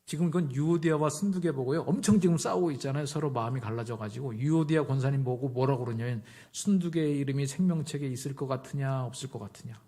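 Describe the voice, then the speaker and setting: Lively higher-voiced male pastor preaching. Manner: conversational storytelling, acts out dialogue. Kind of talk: sermon.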